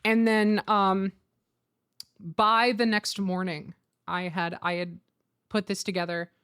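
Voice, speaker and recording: A woman's voice: medium pitch, flat delivery, takes it slowly, a bit bright, smooth. A woman streamer chatting casually and informally to viewers, often thinking aloud, on a close mic. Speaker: streamer and host. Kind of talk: casual livestream chat.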